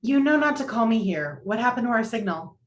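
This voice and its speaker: A woman's voice: on the high side, lively intonation, brisk, natural voice. A woman playing a wary teenage girl, guarded and terse, in an amateur screenplay read.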